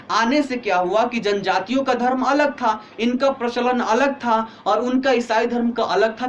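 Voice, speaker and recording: Over dull audio with a faint hiss or hum, a very high-pitched male teacher delivers an online history lecture aimed at exam preparation. Weary and suffering a headache, he explains each step and keeps asking his students questions.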